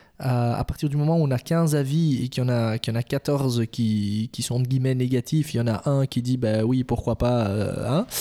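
A man's medium-pitched voice, dark and mellow, at a moderate pace with fairly even intonation and very even loudness, in a very clean, dry, close recording with a silent background and no echo. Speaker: podcast host. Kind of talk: interview conversation.

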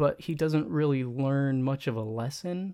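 A man with a fairly high pitch and a dark, mellow tone speaks at a fairly slow pace. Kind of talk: casual chat. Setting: at home.

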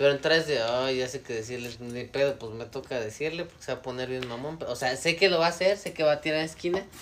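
Amid noticeable background noise, a man with a fairly high pitch talks at a very fast pace, with ordinary pitch variation and big swings in loudness. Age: 20s. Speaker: office worker. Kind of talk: casual chat.

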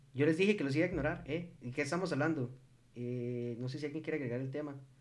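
A man with a fairly high pitch and ordinary pitch variation talks at a very fast pace. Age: 20s. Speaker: podcast host and streamer. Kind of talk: casual chat.

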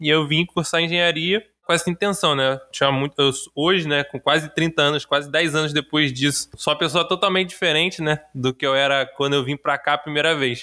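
At a fairly quick pace, a man with a plain, everyday voice speaks at a fairly high pitch with fairly even intonation. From Rio de Janeiro state interior, Brazil. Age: 20s. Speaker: coffee entrepreneur. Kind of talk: casual interview. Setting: online call.

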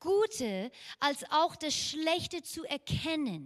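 A woman with a high pitch talks at a very slow pace, her pitch swinging very widely. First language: English (speaking German). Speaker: pastor. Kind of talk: sermon. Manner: halting.

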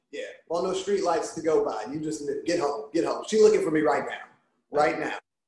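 In an American accent, a man talks at a moderate pace with a fairly high pitch. His is an ordinary speaking voice with ordinary pitch variation. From Virginia (Richmond, rural Amherst County roots). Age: 40s. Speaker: actor. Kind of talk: casual interview.

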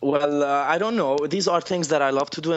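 A man speaking at a moderate pace amid noticeable background noise. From Beirut, Lebanon. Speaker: musician. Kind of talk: radio interview by phone. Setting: phone call from Beirut.

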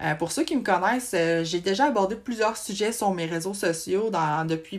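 In a Beauce Quebec accent, a woman speaks fairly slowly at a medium pitch with ordinary pitch variation, in a very clean recording with a silent background. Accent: Beauce Quebec French (beauceron). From Quebec, Saint-Lambert-de-Lauzon. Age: 30s. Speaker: podcast host, financial advisor. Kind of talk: casual solo podcast talk. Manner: hesitant, many filler words.

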